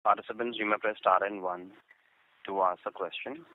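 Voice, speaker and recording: A man's voice: fairly low pitch, steady tone, moderate pace, narrow, tinny audio. A man working as a conference call operator, reading formal routine announcements. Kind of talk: scripted announcements.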